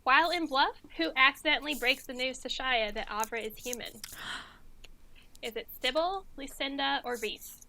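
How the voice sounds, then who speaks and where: High, bright-voiced woman hosting trivia. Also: normal speed, vocal fry. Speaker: trivia quiz host. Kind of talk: reading quiz questions in casual chat.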